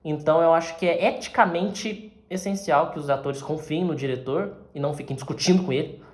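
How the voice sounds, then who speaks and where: A man's voice: fairly high pitch, brisk. A man with a Brazilian accent, an actor giving a casual explanatory lesson on acting, talking conversationally and often ending phrases with tag questions.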